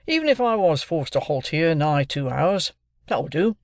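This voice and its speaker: A man reading aloud and voicing a bluff, hearty army sergeant who gives brisk orders and jovial toasts. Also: a little high, sing-song, no echo, studio quality.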